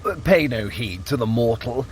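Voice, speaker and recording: A man's voice: mid-range voice, expressive, normal speed, slight background noise, natural voice, low-quality recording. An actor playing a sly, sardonic trickster god in an audio drama, glib and wry, talking his way around things. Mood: breezy bluffing. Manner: smooth-talking, wry, hedging.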